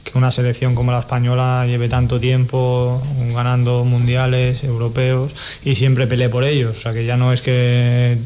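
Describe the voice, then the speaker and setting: A young man answers a radio interviewer in a flat, even voice, relaxed and unhurried, with small sighs between points. A faint hiss runs behind him. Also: medium pitch. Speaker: futsal player.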